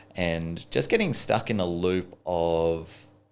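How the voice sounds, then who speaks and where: A man with an Australian accent speaks in a very deep, low pitch. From Australia, Orange NSW. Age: 30s. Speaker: business owner. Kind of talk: podcast interview, personal story. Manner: casual, filler-heavy.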